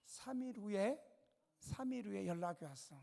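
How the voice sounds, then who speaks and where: A male pastor preaching a revival sermon, telling stories dramatically, dropping to a hush and then rising loud, and putting questions straight to the congregation. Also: high-pitched, animated, moderate pace, vocal fry. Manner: dramatic storytelling, swinging between hushed and loud. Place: church sanctuary. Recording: long church reverb.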